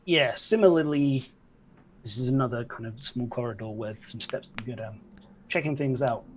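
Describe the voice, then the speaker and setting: A man's voice: mid-range voice, normal speed. Informal male game master, slightly noisy recording. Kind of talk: casual improvised narration of a tabletop game. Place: indoor room at home, on a video call.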